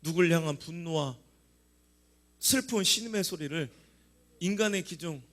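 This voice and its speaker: A middle-aged male pastor preaching a sermon dramatically, acting out complaints in voices and rising to shouts. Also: a little high, moderate pace.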